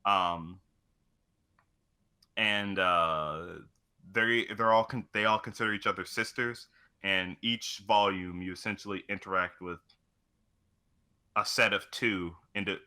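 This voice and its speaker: A young man with a fairly low but strikingly bright, forceful voice. He talks off the cuff as a co-host in a casual gaming chat. His manner is crude and sweary. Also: steady tone, unhurried, long pauses, clear, resonant tone. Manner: crude, profane joking.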